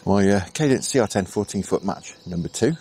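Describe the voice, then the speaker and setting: A man's voice: fairly low pitch, expressive, a little fast, mellow, a little hiss or hum. A middle-aged man from England chatting casually while fishing outdoors on a canal bank at dawn, thinking aloud with easy fillers. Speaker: angling vlogger. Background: birdsong and insects.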